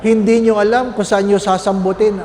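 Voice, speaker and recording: A man's voice: high-pitched, flat delivery, fairly quick, in a large hall, noisy background. A man, a Catholic priest, preaching a homily with humorous stories and constant questions to his congregation. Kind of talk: sermon.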